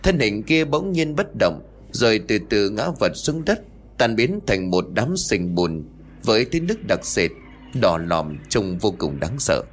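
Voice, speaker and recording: Guy reading a horror story, lowish voice, really lively ups and downs, music faint behind him. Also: a little slow, slight background noise. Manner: steady, suspenseful telling. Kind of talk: scripted horror narration.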